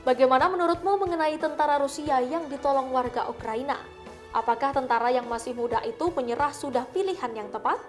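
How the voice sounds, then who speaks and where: Casting: Indonesian woman, high voice, for scripted news narration over light background music. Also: a little fast. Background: faint background music.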